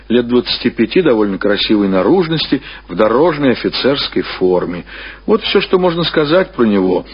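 Slow, expressive husky male literary narrator. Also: medium pitch. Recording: dull, lo-fi old radio recording.

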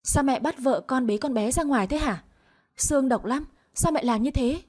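A woman voicing a drunk, short-tempered young husband who shouts and reproaches. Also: sits high, normal speed, voice pushed up. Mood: arguing.

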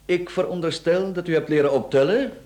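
A Flemish man acting in a radio play as a smooth-talking, cheeky rogue, glib, flippant and teasing. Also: high-pitched, a little fast, a little mellow, lightly acted. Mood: amused, confiding. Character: smooth-talking, cheeky male rogue, a performer under questioning. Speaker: radio drama actor.

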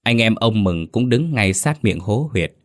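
A man narrating a scripted ghost story in a steady, even manner. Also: fairly low pitch, a little slow.

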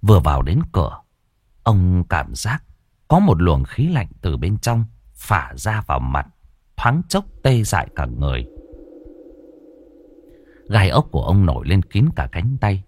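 A man's voice: deep voice, sing-song, measured pace, long pauses, a little mellow, no room sound. A man narrating a ghost story in a dramatic, suspenseful way.

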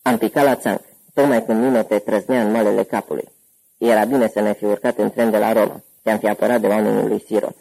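A man voicing a hoarse, corpulent older gangster uncle who talks boisterously and at length. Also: lowish voice, fairly even intonation, dark tone, rough recording. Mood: jovial.

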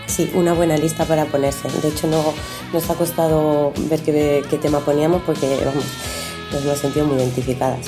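A woman co-hosting a casual radio chat, relaxed and adding quick comments. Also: sits low, music in the background. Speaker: radio co-host.

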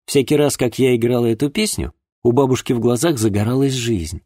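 A man reading the lines of a polite, gentle young pregnant woman in an audiobook, in a soft, courteous storytelling manner. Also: mid-range voice, a little fast, dry recording, studio quality, natural voice. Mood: nostalgic.

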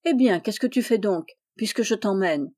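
A woman reading aloud and voicing a brusque, hearty middle-aged farmer, gruff and booming at times. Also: animated, normal speed, mellow, close to an everyday voice.

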